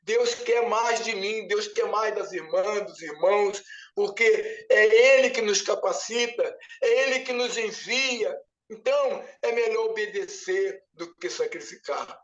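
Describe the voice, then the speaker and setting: A very high-pitched man tells a church testimony, his voice breaking into tears and pleading. He sounds far from the mic in an echoey hall, and the sound is muffled. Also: unhurried, fairly bright tone. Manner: weeping, pleading as he retells a vision. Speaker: pastor giving testimony. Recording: echoey room picked up from a distance, muffled.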